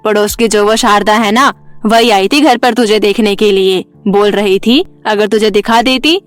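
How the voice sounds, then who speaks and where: A woman's voice: medium pitch, fairly even intonation, moderate pace, no echo, faint music behind, natural voice. A woman voicing a scheming mother-in-law who keeps making excuses, in a cartoon story. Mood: fond.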